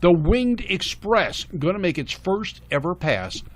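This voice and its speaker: A man's voice: high-pitched, very animated, measured pace, slight background noise. A man hosting a live car radio show from a studio, upbeat and chatty, laughing often as he runs through introductions.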